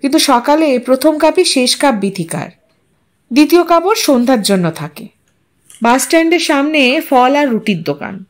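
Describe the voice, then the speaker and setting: A woman with a fairly high-pitched voice narrates an audio story. She reads scripted literary prose as a storyteller. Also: big pitch swings, moderate pace.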